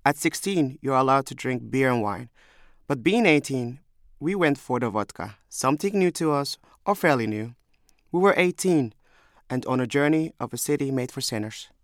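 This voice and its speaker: A young man from Somalia narrates his memoir. His voice sits at a middle pitch, and his delivery is measured and reflective. The sound is dry, with little room around it. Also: lively intonation, dry recording. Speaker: storyteller. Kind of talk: scripted first-person memoir narration.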